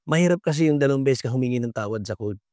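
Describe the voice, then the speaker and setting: Older male guest, earnest and polite, hesitant delivery, mid-pitched voice, dry studio mic. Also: expressive, a little mellow, no room sound. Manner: earnest, polite, halting with many pauses and fillers. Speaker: veteran basketball referee, guest. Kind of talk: casual interview answers.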